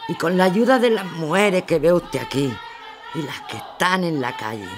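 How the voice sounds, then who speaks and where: A woman's voice: on the low side, moderate pace, a crowd in the background, noisy background, natural voice. An actress playing a resolute working-class woman leading protesters, with an Andalusian accent, in a radio drama. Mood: resolute, firm. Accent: Andalusian Spanish.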